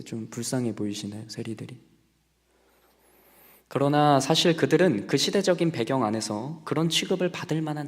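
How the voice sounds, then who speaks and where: Young pastor telling a story in a church hall. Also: male voice, mid-range voice. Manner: storytelling, conversational, asks the congregation questions. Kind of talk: sermon. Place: church sanctuary. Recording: long reverb of a church hall.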